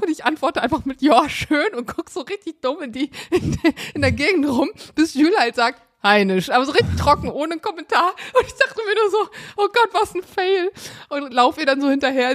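With a high-pitched voice, a woman co-hosting a podcast recounts an anecdote in casual conversation from a hotel room. She voices the dialogue at raised volume and laughs a lot along the way.

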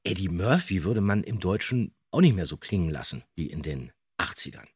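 A man's voice: low-pitched, very animated, normal speed, breathy edge, no room sound, clean studio sound. A man co-hosting a podcast in casual conversation, emphatic and opinionated in how he talks. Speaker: podcast co-host. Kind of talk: casual animated discussion.

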